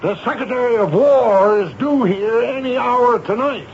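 An actor playing a flustered, indignant army major with formal, emphatic delivery in a 1970s radio drama. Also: male voice, very high-pitched. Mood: despairing. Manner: formal, emphatic, halting in dismay. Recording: dull, noisy vintage radio broadcast.

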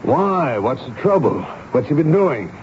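An actor playing a kindly, measured army major, a fort commandant with educated speech, in a 1970s radio drama. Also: male voice, fairly high pitch, sing-song. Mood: puzzled. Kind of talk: 1970s radio drama acting, first-person narration and dialogue. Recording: dull, noisy old radio broadcast recording.

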